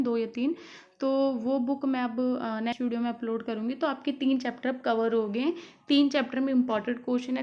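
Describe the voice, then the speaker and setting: Woman tutor, fairly high voice, mellow tone, chatty exam-prep explainer, filler-heavy, dull lo-fi recording. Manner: explanatory, chatty, with frequent fillers and "theek hai". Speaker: online tutor. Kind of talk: casual exam-prep lesson.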